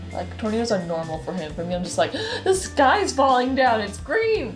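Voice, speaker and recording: Clear music can be heard in the background. Over it, a woman talks. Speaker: vlogger. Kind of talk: casual vlog chat. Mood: animated, laughing. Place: bus. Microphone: camera far.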